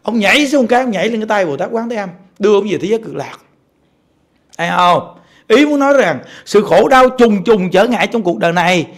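A man with a Southern Vietnamese accent giving a Buddhist sermon, telling stories with lively energy and often asking his listeners whether they see and understand. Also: very high-pitched. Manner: animated storytelling, keeps asking listeners "see?". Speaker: Buddhist preacher.

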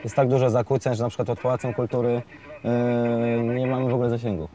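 A man's voice: mid-range voice, level tone, mellow. A man giving an unscripted product explanation as a shop expert, hesitating often and repeating words, picked up on a lapel mic. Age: 20s. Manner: halting, hesitant delivery with frequent fillers and repeated words.

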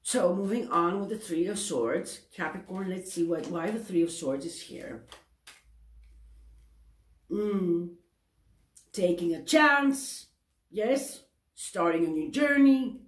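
A woman's voice: lowish voice, animated, slow, pauses often, roomy sound. A woman in her forties with a Greek accent, giving a tarot reading to camera in a chatty, self-correcting way and often checking in with the viewer. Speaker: tarot reader. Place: indoor room at a table.

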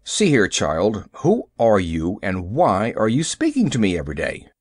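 A man voicing a gruff, aloof older man who speaks curtly and grunts. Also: lowish voice, wildly swooping pitch, normal speed, dry recording, clean studio sound, voice pushed down. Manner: curt and grunting.

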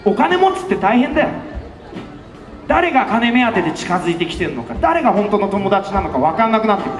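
High-pitched man giving a fiery street speech. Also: very animated, quick pace. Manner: fiery, rhetorical, with repeated questions and bursts of shouting. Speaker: election campaign speaker. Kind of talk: impassioned street campaign speech. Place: outdoors in front of a busy station. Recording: echoey outdoor PA sound with faint music.

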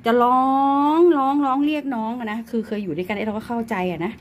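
A woman's voice: a little high, animated, fast talker. A woman at home filming her pets on a phone, chatting casually and talking to the animals in a cooing, baby-talk way. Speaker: pet-owner vlogger.

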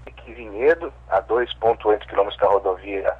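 Husky Brazilian man on a phone line. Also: on the low side, a little fast. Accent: Brazilian Portuguese. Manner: hesitant, many restarts. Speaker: event organizer, guest. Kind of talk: phone-in radio interview.

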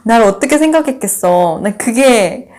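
A young woman vlogger telling a personal story in a casual, animated way, laughing often and acting out what people said. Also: fairly high pitch, moderate pace.

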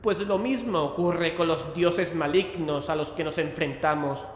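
An actor playing an earnest, convinced investigator of occult horrors in an audio drama. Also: male voice, on the high side, measured pace, close to an everyday voice. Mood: insistent. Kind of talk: audio drama dialogue and narration. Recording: echoey hall with long reverb.

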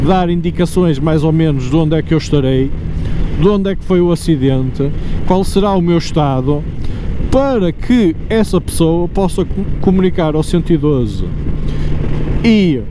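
A man with a European Portuguese accent giving casual, explanatory advice to viewers as a motorcycle vlogger, often rephrasing as he goes. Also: a little high. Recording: loud vehicle and outdoor noise.

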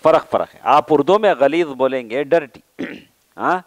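A man's voice: fairly high pitch, lively intonation, dry recording, low-quality recording. A man with an Indian Urdu accent giving a religious lecture, often asking his listeners a question and then answering it himself, and mixing Arabic quotations and English words into his talk. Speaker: Islamic scholar giving a lecture. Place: mosque or lecture hall.

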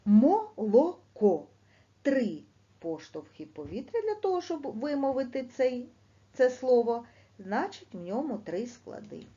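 Slow, lively woman teacher. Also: high voice, husky. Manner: lively, sing-song classroom delivery, stretching words slowly. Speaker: primary school teacher. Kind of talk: online lesson for second graders. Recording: dull lo-fi sound.

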